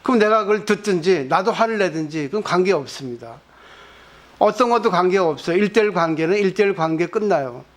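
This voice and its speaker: Speaking a little fast in a high, animated voice, a male Buddhist monk delivers a sermon during a weekend temple service. He teaches in a conversational way and regularly asks his listeners rhetorical questions.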